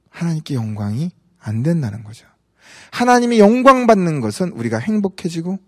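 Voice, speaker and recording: Male pastor, high and lively voice, conversational sermon, long church reverb. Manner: animated, conversational preaching with rhetorical questions. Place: church sanctuary.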